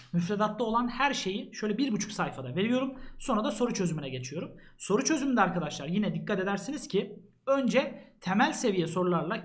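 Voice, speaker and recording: A male math teacher talks students through an exam prep book in an earnest, casual way, addressing them directly as he flips through its pages. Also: sits high.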